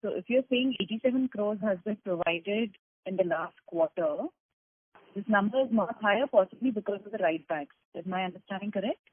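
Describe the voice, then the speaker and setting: Over the phone, a husky-voiced woman analyst digs into the numbers on an earnings call with detailed, probing questions. Her pitch is medium, her delivery brisk, and there's no room sound.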